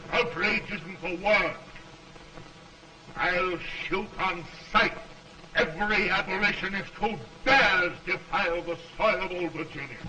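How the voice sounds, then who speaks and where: High-pitched, grandiose Southern firebrand, early talkie film. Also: male voice, a little slow, pushed and bright, exaggerated voice. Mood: outraged. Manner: declamatory, grandiose. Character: vain, theatrical, hot-blooded Southern stage actor. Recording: noisy, distant 1930 film soundtrack.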